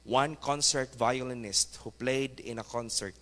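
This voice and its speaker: A man's voice: mid-range voice, fairly even intonation, slow pace, a bit bright. A male pastor preaching a fervent sermon, mixing English exhortations into his talk. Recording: echoey church hall.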